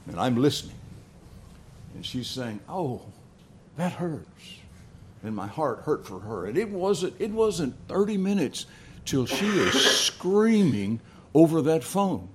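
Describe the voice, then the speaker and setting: A man's voice: on the high side, very animated, noisy background. An older man preaching a sermon, telling family stories with frequent restarts and chuckles. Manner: storytelling, halting with repeated restarts.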